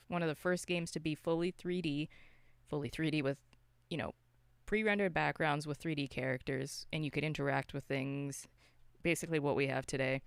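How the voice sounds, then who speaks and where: A podcast host chatting casually about films and games in an animated, self-interrupting way with some mild swearing. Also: medium pitch, clean tone, dry recording. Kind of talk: casual film and game discussion.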